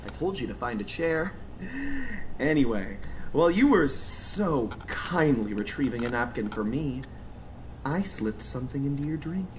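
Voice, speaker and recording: A man's voice: medium pitch, lively intonation, normal speed, close to an everyday voice. A man playing a mild-mannered sad circus clown who is secretly a killer, in an audio drama, polite and droll in manner. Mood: calm, smug. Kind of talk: full-cast audio drama acting. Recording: faint background noise and ambience.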